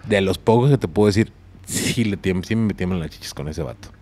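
A man's voice: low voice, fairly quick. A man with a Mexican accent, a podcast guest telling a story in slangy casual talk. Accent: Mexican Spanish. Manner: slangy, animated when quoting others.

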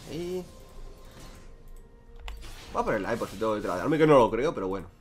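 Young male streamer, quick and lively, crude banter, faint music behind. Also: on the low side. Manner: crude, joking, talks to chat. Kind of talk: casual gameplay commentary.

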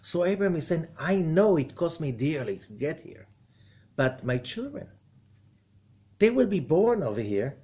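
Husky older rabbi teaching with feeling. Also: male voice, on the high side, moderate pace. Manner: expressive, gestures broadly, quotes figures dramatically. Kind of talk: animated spoken lesson. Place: indoor room with wood paneling.

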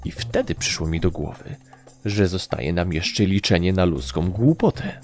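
A man reading a story as an audiobook narrator in an expressive, scripted style. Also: low voice, normal speed, faint music behind.

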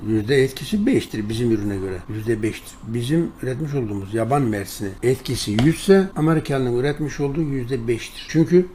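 An older man with a warm, mellow voice holds forth in a promotional monologue about his own herbal products. He talks emphatically, reels off long lists of ingredients and slips into anecdotes, at a middle pitch. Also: animated, brisk, few pauses, a little hiss or hum.

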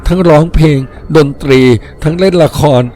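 A man voicing a sorrowful young woman's ghost from long ago in a story, lamenting slowly and plaintively that she has been wronged. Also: mid-range voice, mellow, lightly acted. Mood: grieving, plaintive. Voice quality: faint, trembling voice.

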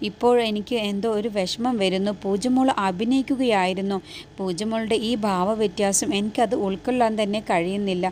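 A woman's voice: mid-range voice, fairly even intonation, moderate pace, a little mellow, a little hiss or hum. A woman casually retelling the plot of a TV serial, speaking every character's lines herself. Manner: retells scenes, acting out all the dialogue. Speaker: serial story recapper.

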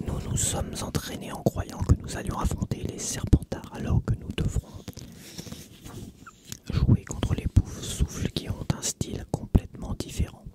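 Whispered voice of an anxious young captain, driven, intense, storybook, hushed. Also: normal speed, natural voice. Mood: urgent, worried. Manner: whispered throughout.

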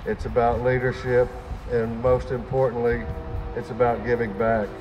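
A man giving a measured speech at an outdoor podium. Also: mid-range voice. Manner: flat, measured declarations. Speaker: event speaker. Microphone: podium mic. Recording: dull lo-fi sound. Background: music bed.

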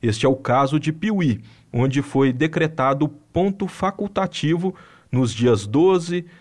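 A man with a Brazilian Portuguese accent reading a scripted news voice-over in an even, measured way. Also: a little high. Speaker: news narrator.

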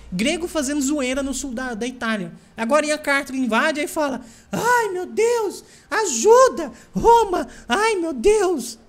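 A man's voice: high-pitched, a bit bright, slight background noise. A man with a Brazilian Portuguese accent, talking casually to himself and his viewers while playing a strategy game, with bursts of exasperation. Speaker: gameplay streamer. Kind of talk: casual gameplay commentary.

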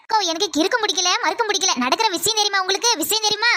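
A performer voicing an excitable young neighbor woman rushing with gossip in a one-person comedy skit. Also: extremely high pitch, heavy background noise. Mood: urgent. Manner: breathless, urgent gossiping.

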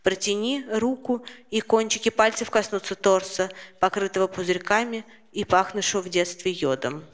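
A young woman reading a poem aloud slowly and evenly into a handheld mic in a small lecture room. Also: medium pitch. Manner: slow, measured recitation. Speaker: audience member reading a poem. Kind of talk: poetry reading. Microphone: handheld microphone.

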